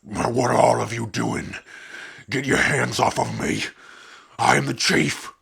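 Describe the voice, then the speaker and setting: A man's voice: lowish voice, fairly even intonation, measured pace, gravelly, a bit bright, husky, full character voice. A man voicing a treacherous, cowardly orc chief in a fantasy audio roleplay, barking and imperious. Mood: panicked.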